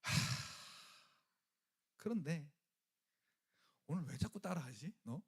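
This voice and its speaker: A male pastor delivers a sermon in a high, lively voice that leaps up and down. He talks in an everyday way, acts out the quoted lines with swings in loudness, and jokes with his congregation. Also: slow, slightly rough.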